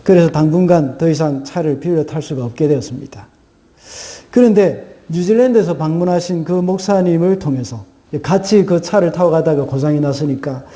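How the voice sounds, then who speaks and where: Mellow-voiced man preaching a sermon. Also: a little high. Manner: earnest storytelling with hesitant fillers and self-corrections. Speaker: pastor.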